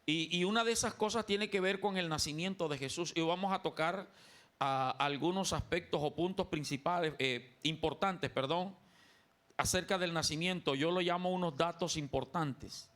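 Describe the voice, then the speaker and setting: Speaking at normal speed in a slightly high, fairly bright voice, a Colombian pastor preaches a sermon in a church sanctuary. He is emphatic and calls on the congregation to repeat after him.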